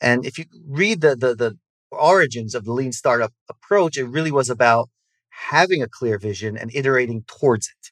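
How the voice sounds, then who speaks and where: Medium in pitch with ordinary variation, a man talks in an American accent. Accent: American accent from American parents. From Israel. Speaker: tech executive. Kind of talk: interview. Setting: remote interview from Connecticut.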